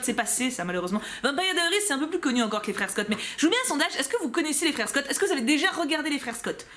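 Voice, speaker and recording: A young woman with a French accent, chatting casually to her viewers as she unboxes a subscription box, giggling and breaking into quick asides. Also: on the high side, fairly bright tone.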